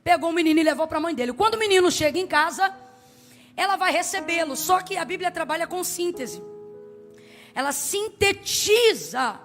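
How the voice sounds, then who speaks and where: A woman preaches with a very high voice, emphatic and dramatic, dropping soft and then rising loud. She calls on the congregation to answer her, with faint music underneath. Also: lively intonation, normal speed. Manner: asks the congregation to respond. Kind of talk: sermon.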